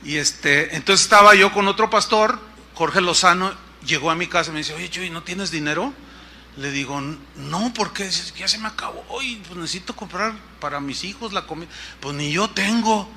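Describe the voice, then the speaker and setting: A man's voice: sits high, normal speed, sharp tone, a little hiss or hum. A man preaching as a pastor, telling a story in a sermon and acting out the voices of the people in it. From Mexico.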